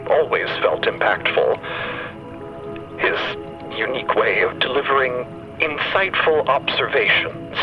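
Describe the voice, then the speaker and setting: A man playing a gentle, grieving machine crewmate in an audio drama, speaking haltingly in solemn, formal eulogy. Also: medium pitch, muffled recording, natural voice. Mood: solemn tribute.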